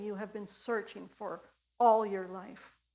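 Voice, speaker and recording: A woman speaks at a fairly high pitch with fairly even intonation, and the room echo is audible. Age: 60s. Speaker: storyteller at mental health event. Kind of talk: personal storytelling on stage. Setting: stage, livestreamed event.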